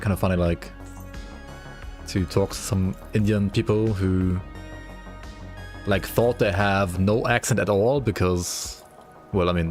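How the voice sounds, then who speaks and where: A gaming livestreamer with a low-pitched, darkish voice chats casually with his viewers while he plays, rambling and thinking aloud.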